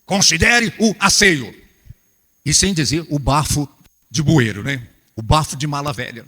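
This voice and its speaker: Man, Brazilian accent, preacher, humorous animated sermon, husky voice, long hall reverb. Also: mid-range voice, normal speed. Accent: Brazilian Portuguese. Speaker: bishop preaching to church workers.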